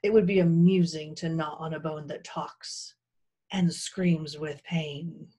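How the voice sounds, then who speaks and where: A woman voicing a wily, smug male fox villain in a storybook, with a florid, gloating gentlemanly manner. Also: deep voice, steady tone, slow, husky, heavily acted. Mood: grudging, irritated. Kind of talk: storybook character voice.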